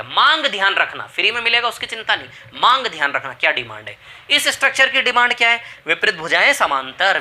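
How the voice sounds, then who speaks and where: A man with a high, sharp voice teaches a maths lesson in an Indian Hindi accent. He is emphatic and repetitive, going over key phrases again and again and asking whether his students understand.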